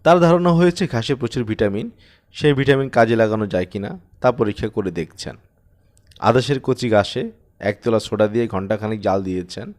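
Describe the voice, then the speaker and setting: A man reading a short story as an audiobook narrator, in an expressive storytelling style. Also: fairly low pitch, a little fast.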